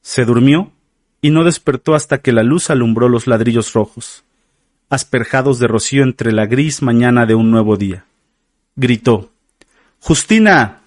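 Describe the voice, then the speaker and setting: A man narrating a literary audiobook in a slow, measured, somber way. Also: medium pitch, a little mellow, no room sound, studio quality.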